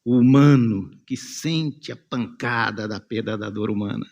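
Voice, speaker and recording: A man's voice: lowish voice, a little slow, vocal fry, darkish tone, highs cut off. A man with a Brazilian Portuguese accent preaching a sermon in a church, telling the story vividly and calling on listeners by name. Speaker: pastor.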